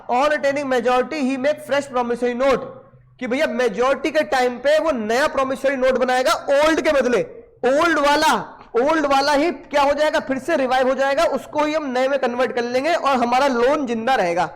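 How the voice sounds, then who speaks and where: A man teaching law in an animated lecture, on the terms, who keeps asking his students questions and answering them himself. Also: very high voice, normal speed. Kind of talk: lively Hindi lecture.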